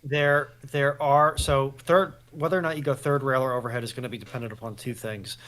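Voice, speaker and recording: A man on a discussion panel giving casual technical explanations in a deliberate, emphatic way. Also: mid-range voice, fairly even intonation, a bit bright, low-quality recording.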